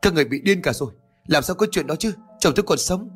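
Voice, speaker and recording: A man voicing an older village wife in a horror story, fussy and shrill, with a high raised pitch. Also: animated, fast, soft background music, natural voice. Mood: panicked.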